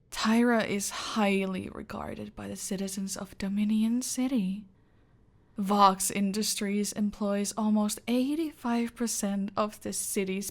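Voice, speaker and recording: A domineering female cartel boss, played by a woman, hands out orders in a slow, unhurried drawl that often drops to a whisper. Her voice carries a gravelly edge, and every word is measured and controlling. It sits in an ASMR roleplay. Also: mid-range voice.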